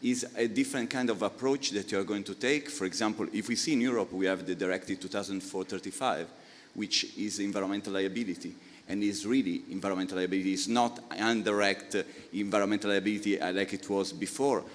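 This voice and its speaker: Panelist, man, italian accent, lowish voice, halting explainer, long hall reverb. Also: fairly even intonation. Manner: explanatory, halting with many filler sounds. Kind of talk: panel discussion answer. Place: conference hall.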